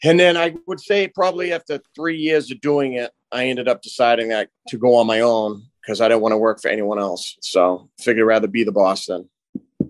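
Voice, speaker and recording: This is a plain, everyday voice with an American accent, moving at a fairly quick pace with lively intonation. The sound is dry and close, with no echo. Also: man, medium pitch for a man. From northeastern Massachusetts (Bradford, Haverhill). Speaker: flooring business owner. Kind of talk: casual chat.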